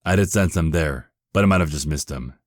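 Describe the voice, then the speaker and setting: A man's voice: very deep voice, brisk, no room sound, clean studio sound. A man playing a proud, defensive archangel in a fantasy audio drama, haughty and formal in manner. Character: proud, defensive male archangel who despises vampires.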